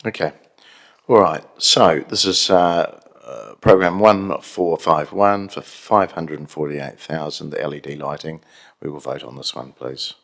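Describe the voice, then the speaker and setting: Deep-voiced Kiwi man chairing a meeting. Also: vocal fry, fairly bright tone. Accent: New Zealand. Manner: brisk procedural, with dry asides. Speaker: mayor chairing a council meeting. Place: council chamber.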